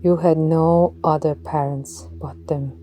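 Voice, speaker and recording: A woman leading a guided meditation in a slow, soft voice, some words dropping to a breathy whisper. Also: low voice, steady tone, slight background noise.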